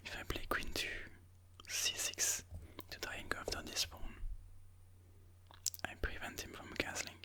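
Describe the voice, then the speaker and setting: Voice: unhurried, bright, forceful tone. A person whispering breathily in an ASMR style, musing aloud move by move as they comment on their own chess game.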